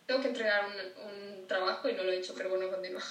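A young woman from Yucatán with a Yucatecan accent, a podcast guest chatting casually and teasing with a quick laugh. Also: medium pitch. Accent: Yucatecan Spanish. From Yucatán, Mexico. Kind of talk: casual chat. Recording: echoey room, distant mic, faint noise.

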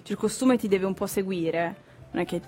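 A woman being interviewed as a performer in casual chat, often pausing to search for words. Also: medium pitch, a little mellow. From southern Italy. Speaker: interview guest, burlesque performer. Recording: music behind the voice. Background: music.

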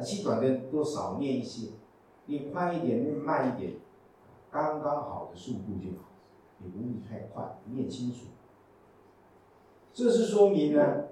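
A man's voice: mid-range voice, dark tone, a little hiss or hum. A man, a Buddhist monk, giving a patient dharma talk and often asking his listeners rhetorical questions. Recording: echoey hall, mic from a distance, faint ambience.

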